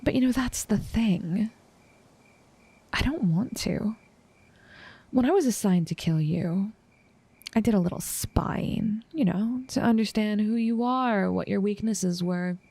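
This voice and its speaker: A woman playing an infatuated assassin in an intimate audio roleplay, composed and menacing yet tender, speaking softly and often slipping into whispers. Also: mid-range voice, creaky, slightly rough, dry recording. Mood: calm, confiding. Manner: soft, unhurried delivery slipping often into whispers.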